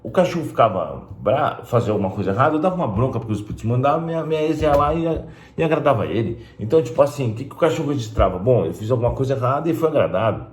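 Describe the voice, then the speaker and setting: A spiritist video host talks casually to camera, blunt and emphatic, dropping frequent "né?" asides. His mid-range voice races along with lively intonation, and the recording has a roomy echo.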